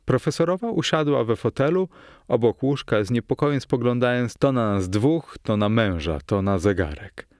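A man narrating a novel in the first person, in a measured, steady storytelling manner. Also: medium pitch, no room sound, clean studio sound. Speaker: audiobook narrator.

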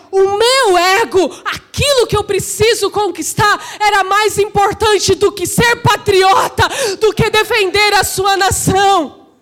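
A woman preaching a sermon with fervor. She often shouts and asks the congregation rhetorical questions. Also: very high voice.

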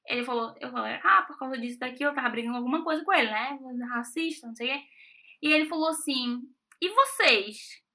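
A young Brazilian woman chatting casually, telling stories with animated, self-mocking exclamations. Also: sits high, fast, gravelly. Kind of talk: casual chat.

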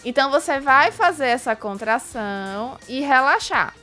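A woman's voice: high-pitched, lively intonation, normal speed, bright, forceful tone, faint music behind. A Brazilian woman explaining an exercise step by step in a radio interview, in a chatty, didactic way. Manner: didactic, chatty, frequent tag questions and diminutives. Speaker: pelvic physiotherapy expert guest.

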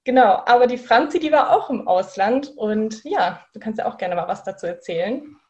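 A woman's voice: fairly high pitch, normal speed, lo-fi sound. Young woman co-hosting a podcast. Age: 20s. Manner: relaxed, frequent fillers. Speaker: podcast co-host. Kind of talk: casual podcast chat.

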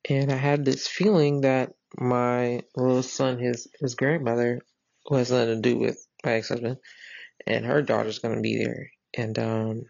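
A woman's voice: extremely low pitch, level tone, moderate pace, gravelly, darkish tone, no echo. A woman, hosting a podcast and retelling a dream in a rambling, earnest way with lots of fillers and restarts. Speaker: podcast host. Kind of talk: casual spoken retelling of a dream. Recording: dry, slightly dull lo-fi recording.

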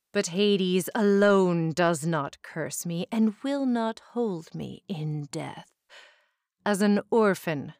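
A woman voicing a cursed female gorgon with snakes for hair, speaking soft, low and menacing. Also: no echo, clean studio sound.

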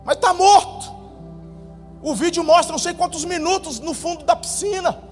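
A male pastor preaching a sermon, telling a testimony dramatically, his voice swinging between loud bursts and hushed moments. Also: very high voice, normal speed. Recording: reverberant hall with faint music.

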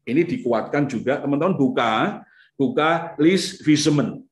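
Male seminar speaker, conversational and animated when he acts out scenes, recorded in an echoey hall. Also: mid-range voice, moderate pace. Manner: conversational, many fillers like "gitu ya"; acts out parents and children in lively bursts. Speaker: lecturer on the brain and parenting. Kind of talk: casual seminar talk. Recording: echoey room.

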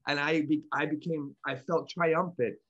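A man's voice: on the high side, moderate pace, muffled recording. Rambling, laughing man podcaster. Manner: rambling, animated, laughs often, many restarts. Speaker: podcast co-host and meditation teacher. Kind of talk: casual conversational podcast chat.

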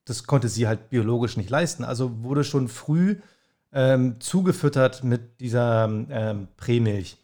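A man's voice: medium pitch, mellow. A man co-hosting a casual chat who talks hesitantly and searches for his words. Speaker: podcast co-host.

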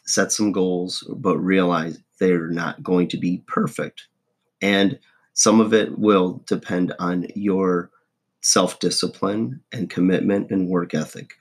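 A hoarse, husky man in his forties giving a casual, folksy motivational monologue as a host. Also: low-pitched. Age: 40s. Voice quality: husky, rough. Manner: folksy, self-deprecating, checks in with "okay?" and "right?". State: hoarse voice, throat-clearing. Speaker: host of a motivational video podcast.

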